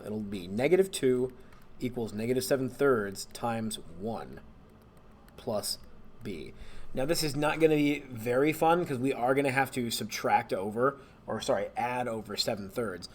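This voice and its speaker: A man, a math teacher, relaxed and thinking aloud as he walks through homework problems and corrects himself along the way. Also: mid-range voice, slight background noise. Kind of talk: homework walkthrough screencast.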